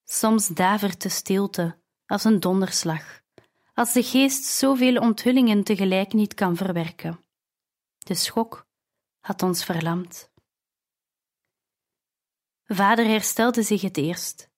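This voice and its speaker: Woman audiobook narrator, first-person story, slow unhurried delivery, medium pitch.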